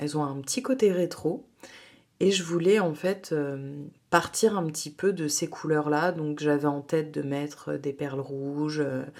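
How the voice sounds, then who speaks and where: Her pitch is very deep and low, with ordinary variation. The woman speaks in a relaxed tone at a fairly slow pace. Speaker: vlogger and craft maker. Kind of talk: casual vlog talk. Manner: relaxed with many hesitations.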